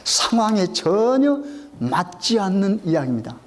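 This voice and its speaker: A middle-aged man with a high voice preaches a sermon to his congregation. He keeps asking questions, answers them himself, and repeats the key phrases slowly for weight. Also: very animated. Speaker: pastor.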